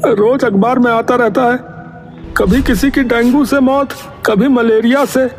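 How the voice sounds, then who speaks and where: Very high-pitched worried male villager played by a man. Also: steady tone, measured pace. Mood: worried, pleading. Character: worried villager, anxious parent at a council. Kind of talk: dramatized audio story. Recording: music under the voice.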